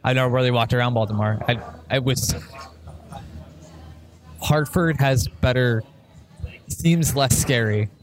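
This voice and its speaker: A man's voice: mid-range voice, a little slow, long pauses, soft background music. A man from the Boston area chatting casually as a podcast co-host, in a blunt, rambling way. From Boston area, United States. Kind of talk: casual chat. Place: restaurant.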